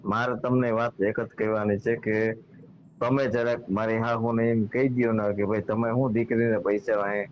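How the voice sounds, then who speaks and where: A man's voice: on the low side, little pitch movement, normal speed. A man with a Saurashtra Gujarati accent talking casually as a caller on the phone. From Porbandar area, Gujarat, India. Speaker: caller seeking help with his marriage. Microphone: telephone. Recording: muffled, noisy phone call recording.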